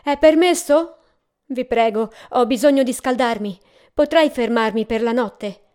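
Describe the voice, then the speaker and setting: A weary traveler lost in a snowy fairy-tale wood, calling out politely and then growing eager and impatient, voiced by a woman reading aloud. His voice sits a touch high and pushed forward. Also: a little slow, darkish tone, clear, resonant tone, natural voice. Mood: pleading. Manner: pleading, eager, slightly raised voice. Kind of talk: storybook reading.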